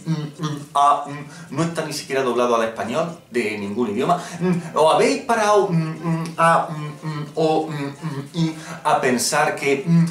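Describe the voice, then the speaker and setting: A man from Spain with a Spanish accent ranting sarcastically about gaming news, humming and pausing often. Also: mid-range voice, a bit bright, far from the mic. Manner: mock-outraged, sarcastic, many drawn-out hums. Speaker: gaming vlogger. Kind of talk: satirical gaming news rant. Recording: echoey room, off mic.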